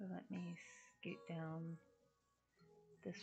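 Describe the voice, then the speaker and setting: Soft-spoken and fairly low-pitched, a woman talks at a fairly slow pace with music in the background. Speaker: artist streaming her drawing work. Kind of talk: casual live-stream talk while working. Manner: hesitant, many fillers.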